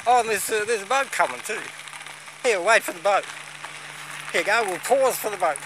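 A high-voiced man in his forties chats in a rambling, upbeat way while he cycles along a riverside track. He films himself on a phone held at arm's length. Loud wind and outdoor noise run under his voice. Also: animated, a little fast. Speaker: vlogger. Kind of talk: casual running commentary while cycling. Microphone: phone camera held at arm's length.

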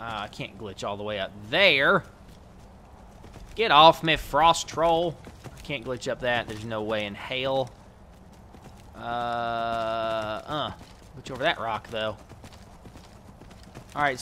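A man's voice: mid-range voice, a little slow, sharp tone, a little hiss or hum. A man giving loose, profane running commentary while playing a video game, talking back at the game and its characters. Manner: profane, rambling, talks to the game. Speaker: let's play host. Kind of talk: casual gameplay commentary.

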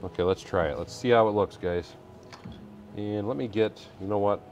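A man's voice: lowish voice, moderate pace, darkish tone, lo-fi sound, soft background music. A middle-aged man hosting a live building stream, chatting casually, reading viewer comments and laughing easily. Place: indoor workshop room.

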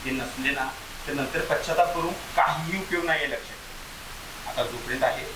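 A man's voice: fairly high pitch, moderate pace, roomy sound, background noise, lightly acted. A man playing a caring, lecturing relative. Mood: advising. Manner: gentle, lecturing. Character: caring older male relative giving advice.

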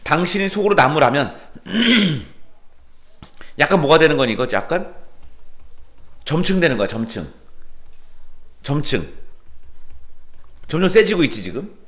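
A man's voice: on the high side, unhurried, pauses often. A man teaching literature in a classroom, lecturing animatedly and firing questions at his students. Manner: animated, questioning students, quoting lines in a put-on voice. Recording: roomy classroom echo.

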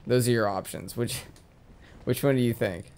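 A man's voice: mid-range voice, moderate pace, a little mellow, smooth. A man chatting and joking beside a friend who plays a game, drifting into trivia tangents. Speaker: co-host. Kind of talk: casual let's-play banter.

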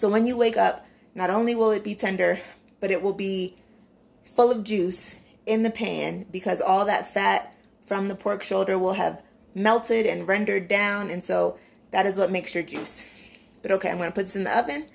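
A young woman in a home kitchen explains a recipe to her viewers step by step in a casual, chatty way. Her mid-range voice carries a strong gravelly fry. She is recorded on a phone camera resting on the counter. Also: medium pitch, steady tone, normal speed. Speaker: vlogger. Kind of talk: casual cooking vlog explanation.

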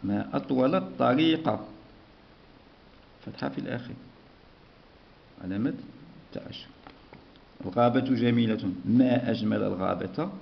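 Gravelly male teacher, slow dictation. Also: medium pitch. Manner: patient, slow dictation with repeated words. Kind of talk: primary school lesson walkthrough. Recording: dull lo-fi recording.

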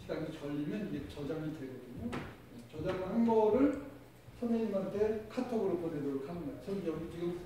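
A man's voice: high voice, lively intonation, brisk, warm tone, a little hiss or hum. A middle-aged man giving an informal, instructive classroom demonstration as a teacher, often checking in with his listeners. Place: indoor classroom. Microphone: far camera. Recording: echoey classroom, distant mic, music.

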